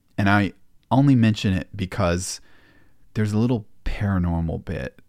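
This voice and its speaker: Speaking at a moderate pace in a calm tone with ordinary pitch variation, a man is heard in a very clean recording with a silent background. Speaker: podcast host and professional intuitive. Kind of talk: solo monologue.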